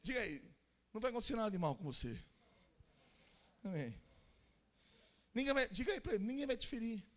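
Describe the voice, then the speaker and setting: A man with a Brazilian Portuguese accent preaching a Pentecostal sermon at a church conference, moving between chatty asides and shouted exhortation. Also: very high-pitched, expressive, a little fast, long pauses. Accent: Brazilian Portuguese, São Paulo interior. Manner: swings from conversational asides to shouted, fervent exhortation; speaks in tongues amid the preaching.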